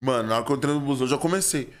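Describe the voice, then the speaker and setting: A man's voice: mid-range voice, very fast. A man with a São Paulo accent in casual chat, telling heated, slangy stories full of "mano" and "irmão". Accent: São Paulo Portuguese.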